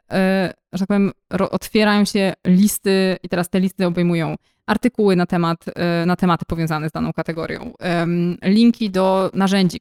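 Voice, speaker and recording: A woman's voice: lowish voice, darkish tone, smooth. A young woman co-hosting a podcast in casual conversation, explaining things at length with frequent hesitations and fillers. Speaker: podcast co-host.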